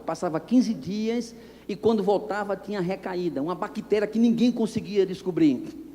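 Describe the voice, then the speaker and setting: A man preaching as a pastor, telling stories and acting out the dialogue with sudden shouts. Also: sits high. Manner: animated, acts out dialogue, bursts into shouts. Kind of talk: storytelling sermon. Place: church anniversary service. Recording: long reverb of a church hall.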